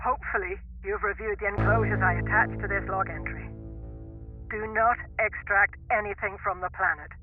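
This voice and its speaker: A man's voice: high-pitched, steady tone, moderate pace, narrow, tinny audio, natural voice. A man acting a weary captain of a doomed mining spaceship in a sci-fi audio drama, speaking with solemn, formal weight. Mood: grave, urgent. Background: music under the voice.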